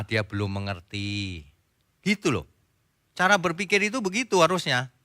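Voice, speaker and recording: A man's voice: high-pitched, pushed and bright, no room sound, studio quality. A male pastor preaching a sermon in a direct, conversational way, often acting out little dialogues.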